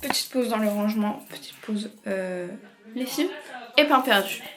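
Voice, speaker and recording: A woman's voice: mid-range voice, moderate pace, distant mic, loud music behind the voice. A woman vlogging casually as she tidies her bedroom, chatty, rambling and poking fun at herself. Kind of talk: casual vlog chat while tidying. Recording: echoey room, voice from off-mic, faint background clatter.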